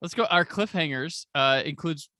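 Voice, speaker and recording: A man's voice: fairly high pitch, moderate pace, pushed and bright, dry recording, clean studio sound. A man hosting a podcast in casual chat, recapping an episode with enthusiasm and jokey asides into a podcast microphone. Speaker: podcast host.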